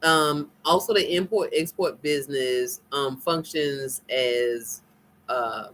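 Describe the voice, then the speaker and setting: African American woman hosting a casual live chat, slow and bright, folksy and playful. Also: very deep voice. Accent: African American English. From United States. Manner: animated, laughing, teasing, folksy. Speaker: live-stream host chatting with viewers. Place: home in Nigeria.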